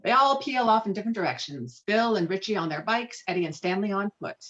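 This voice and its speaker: A woman's voice: mid-range voice, expressive, fairly quick, a bit bright, dull audio. A woman reading stage directions as narrator in a script table read.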